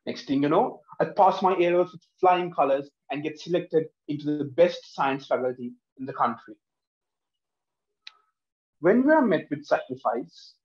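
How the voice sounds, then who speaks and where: A man's voice: fairly high pitch, a little mellow. A young man from Sri Lanka in his twenties, standing in his living room and giving an earnest, emphatic prepared speech while gesturing with both hands. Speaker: speech contestant. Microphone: laptop camera across the room, headphones on. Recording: echoey room, dull lo-fi sound.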